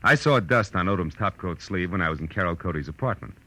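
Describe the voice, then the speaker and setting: A man's voice: deep voice, animated, fast, sharp tone, heavily acted. An American man playing a wry, hard-boiled private detective in a 1940s radio drama, with clipped, world-weary delivery. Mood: patient explaining. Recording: vintage 1940s radio broadcast with music.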